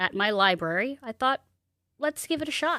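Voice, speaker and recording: A woman with a Mid-Atlantic US accent speaks in a bright, sharp tone with very wide pitch swings. The recording is very clean, with a silent background and a dry, close sound with no echo. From southern New Jersey, US. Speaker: podcast host, librarian and home cook. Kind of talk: podcast monologue.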